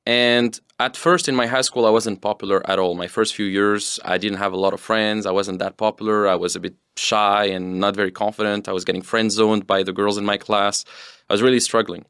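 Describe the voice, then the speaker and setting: A young man from Tunisia, telling his story as a guest in a relaxed, rambling way. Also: on the low side, a little fast, clean tone, no echo, clean studio sound. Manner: relaxed, rambling with fillers and restarts. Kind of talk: casual interview storytelling.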